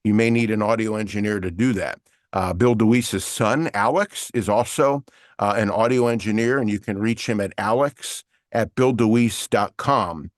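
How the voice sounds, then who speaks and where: A voiceover coach with a lowish voice teaches an online lesson using screen share, explaining casually at a moderate pace with many fillers. The sound is clean studio audio with no room sound.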